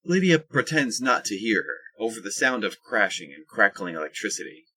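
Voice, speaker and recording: A man's voice: on the low side, sing-song, moderate pace, pushed and bright, breathy edge. A man narrating a scripted audio drama as its storyteller.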